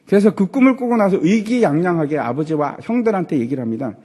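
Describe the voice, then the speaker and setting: Lively high-voiced man preaching a sermon. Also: quick pace, husky. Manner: animated preaching with rhetorical questions to the congregation; acts out quoted lines in character voices. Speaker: pastor. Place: church sanctuary.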